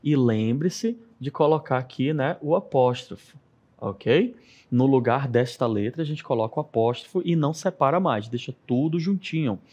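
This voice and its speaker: A man's voice: medium pitch, normal speed, dark tone, highs cut off. A man with a Brazilian Portuguese accent teaching an English lesson on air, patiently explaining step by step and often checking in with "ok?". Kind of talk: televised classroom lesson.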